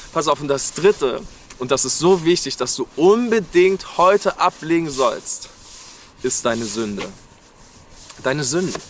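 A man's voice: a little high, fairly bright tone, slight background noise. A man from Berlin preaching a sermon and speaking directly to listeners, urging them with frequent calls of "hey". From Berlin, Germany. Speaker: pastor. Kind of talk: New Year sermon.

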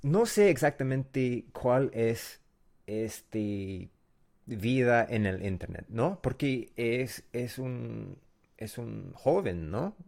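Slow, hesitant non-native Spanish speaker, male. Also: mid-range voice, lively intonation, vocal fry, darkish tone. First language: not Spanish. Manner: hesitant, searching for words. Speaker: podcast co-host and Spanish learner. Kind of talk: casual podcast chat.

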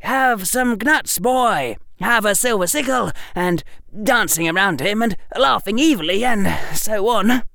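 A reader playing a precocious young boy wizard in an audiobook, his voice pitched well above the reader's own and swinging up and down in lively, expressive arcs. He lectures in a smug, deadpan tone, as if every outrageous act were perfectly reasonable. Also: a little slow, vocal fry, dry recording, exaggerated voice. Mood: explaining. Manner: lecturing, mock-villainous, deadpan. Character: clever theatrical eleven-year-old boy wizard. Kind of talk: audiobook reading.

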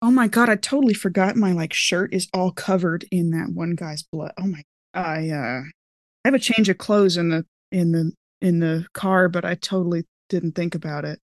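A woman's voice: fairly low pitch, moderate pace, no echo, clean studio sound. A woman playing a tabletop roleplaying game, slipping between casual table talk and improvised character lines in a slangy, playful way.

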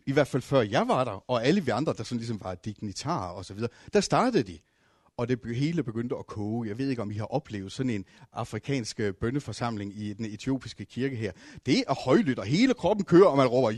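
A preacher tells his stories in a husky, breathy voice. He swings from loud bursts to near whispers, with fillers and restarts. The room sounds dry and close. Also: medium pitch, no echo. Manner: dramatic swings from loud to hushed. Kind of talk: sermon with travel stories.

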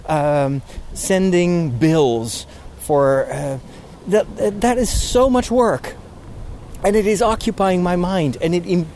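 A man with a sore throat thinking aloud about his fatigue as he walks outdoors in a park, speaking haltingly with many restarts. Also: on the high side, warm tone, a little hiss or hum. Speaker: podcast host. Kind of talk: casual spoken reflection, walking outdoors. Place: outdoors in a park near road works.

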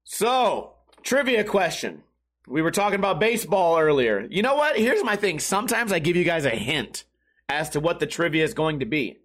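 A man hosting a podcast stream in casual chat, hoarse from losing his voice, talking in a loose, rambling and profane way. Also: a little high, sing-song, normal speed, a bit bright.

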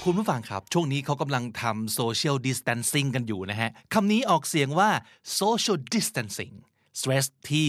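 Guy hosting a vocab podcast, spells stuff out letter by letter, mid pitch, dry close sound. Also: a bit bright, no echo. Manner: explains terms clearly and spells words out letter by letter. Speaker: podcast host teaching English vocabulary. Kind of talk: scripted vocabulary lesson.

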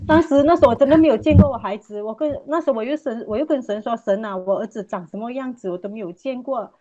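A middle-aged woman from Malaysia telling her personal testimony as a mother, earnest and repetitive, ending phrases with soft particles. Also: on the high side, quick pace, lo-fi sound.

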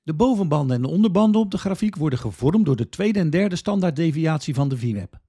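Husky man, lively podcast host. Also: a little high, quick pace. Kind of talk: scripted explanatory podcast narration.

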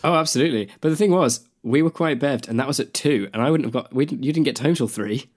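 A man's voice: mid-range voice, fast talker. A young man, co-hosting a podcast in chatty, enthusiastic talk. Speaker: podcast co-host. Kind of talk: casual podcast chat.

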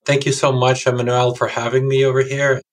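A man's voice: mid-range voice, little pitch movement, brisk. A middle-aged man from Serbia, a company founder, telling his life story casually in an interview.

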